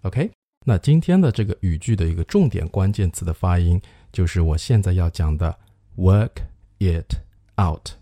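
A man hosting a radio-style English pronunciation lesson, patiently explaining and modeling phrases in slow, drawn-out repetitions. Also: deep voice, lively intonation, mellow, no echo, studio quality. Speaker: English teacher and show host.

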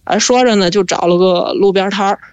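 A woman telling a spooky family story in a lively, chatty way, drawing out her fillers. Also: mid-range voice, brisk, clear, resonant tone, no echo, muffled recording. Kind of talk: casual spoken storytelling.

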